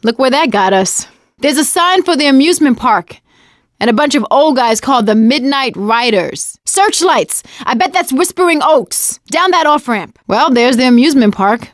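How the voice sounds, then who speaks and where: An actress playing a sassy, wisecracking young woman surviving a zombie apocalypse in a video game, sardonic and expressive. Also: high voice, normal speed, no room sound, studio quality. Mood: focused, wry. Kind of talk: video game combat barks and quips.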